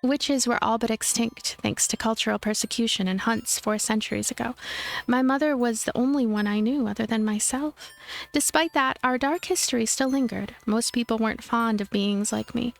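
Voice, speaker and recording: High-voiced woman narrating a visual novel. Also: steady tone, moderate pace, gravelly. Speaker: let's player and narrator. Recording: voice over game music. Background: music.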